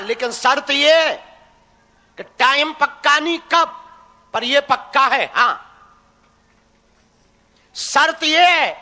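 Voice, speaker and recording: A young man preaches to a crowd, teasing and folksy as he presses his point. His voice sits very high and cuts through sharply. It rings out with a long reverb, as if in a big hall. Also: sharp tone. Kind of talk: live religious discourse to a crowd.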